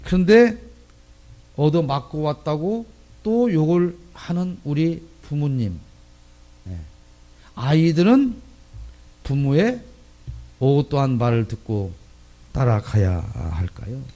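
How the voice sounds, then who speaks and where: Animated male pastor preaching. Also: a little high, slow, pauses often. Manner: animated, emphatic, asks the congregation questions. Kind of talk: sermon.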